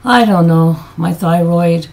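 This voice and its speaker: A woman with a deep, throaty voice chatting in a rambling, self-deprecating way on a casual beauty vlog; her voice has changed and she can't hit high notes. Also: takes it slowly, darkish tone. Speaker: beauty vlogger.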